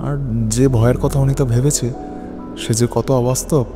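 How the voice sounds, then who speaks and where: An actor playing an anxious husband who narrates a horror audio drama in a brooding, dramatic way with halting phrases. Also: male voice, medium pitch, fairly even intonation, over music, lightly acted. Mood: longing, suspense. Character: anxious husband narrating his haunted stormy night.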